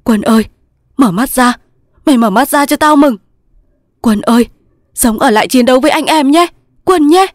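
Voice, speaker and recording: A woman voicing a young male resistance soldier, pleading in loud sobbing outbursts in a storybook reading. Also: fairly high pitch, fairly quick, dry recording, voice pushed up, natural voice. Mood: frantic.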